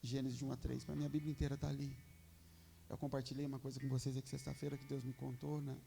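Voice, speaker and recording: A man's voice: medium pitch, little pitch movement, fast, gravelly, warm tone, slight background noise. A man with a Brazilian Portuguese accent preaching a sermon in church, earnest and fervent, moving into a prayer that keeps returning to "Father".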